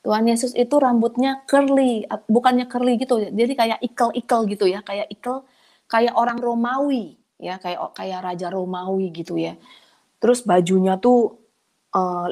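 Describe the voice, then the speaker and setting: Chatty woman telling a lively testimony. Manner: animated, pitch leaping up in excited moments; colloquial, chatty delivery addressing listeners as friends. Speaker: person giving a personal testimony. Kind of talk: conversational testimony storytelling.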